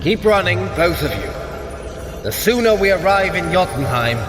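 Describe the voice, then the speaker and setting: An actor playing a sly, haughty trickster god in an audio adventure, precise, formal and theatrical. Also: male voice, sits high, animated, measured pace, echoey room, in a large hall, music in the background. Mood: haughty, urgent. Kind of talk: scripted audio adventure acting.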